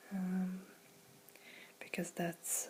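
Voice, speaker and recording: Speech comes out at a fairly unhurried rate. The speaker is soft-spoken. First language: Hungarian. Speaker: ASMR creator. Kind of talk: casual ASMR art commentary. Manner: hesitant, many fillers.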